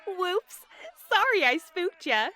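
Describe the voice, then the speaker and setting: Woman acting chirpy, high, teasing troublemaker. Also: big pitch swings, slow pace, bright, forceful tone, heavily acted. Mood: playful, teasing. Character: playful, teasing, chirpy female frenemy. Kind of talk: audio drama acting.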